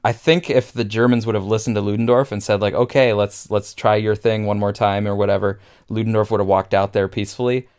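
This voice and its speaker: A man's voice: fairly low pitch, little pitch movement, fairly quick, hardly any pauses, a little mellow, clear, resonant tone. A man co-hosting a podcast, chatting casually and enthusiastically about a movie with frequent fillers. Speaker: podcast co-host. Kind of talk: casual film discussion.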